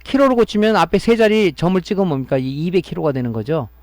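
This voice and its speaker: Male instructor, step-by-step technical lecture with frequent check-in questions, fairly high voice, dry close sound. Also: very animated, quick pace, darkish tone, no room sound. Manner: explaining step by step, often adding a tag question to check understanding. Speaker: electronics repair instructor. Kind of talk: classroom-style technical lecture.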